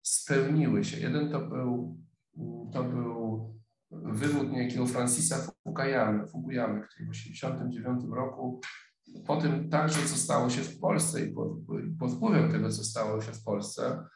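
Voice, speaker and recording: A middle-aged sociologist gives an online lecture from his office over a webcam call, speaking thoughtfully at an ordinary pitch but with frequent hesitations, fillers and restarts. His intonation is fairly even and his tone darkish. The room echoes noticeably, and faint music plays behind him.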